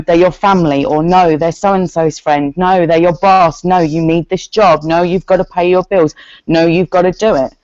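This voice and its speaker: A woman with a deep voice, sharing a candid personal testimony with a group and acting out the words of people in her story. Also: no room sound, highs cut off. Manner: earnest, quotes others' words in lively bursts.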